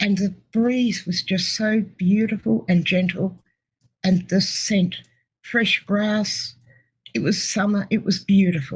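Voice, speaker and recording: A woman talks at a very slow pace in an Australian accent, somewhat breathy. Her loudness stays very even, and her pitch varies in an ordinary way. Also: medium pitch for a woman. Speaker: near-death experiencer. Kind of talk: testimony.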